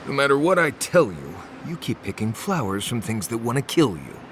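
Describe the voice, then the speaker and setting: An actor playing a suspicious, blunt wilderness guide in a video game, with dry, sardonic grumbling. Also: male voice, mid-range voice, sing-song, normal speed, a bit bright, a little hiss or hum. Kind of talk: naturalistic video game dialogue.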